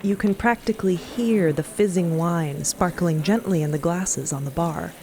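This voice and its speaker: A woman's voice: on the low side, normal speed, dark tone. A woman narrating a scripted audio drama as a storyteller. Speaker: podcast narrator. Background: music.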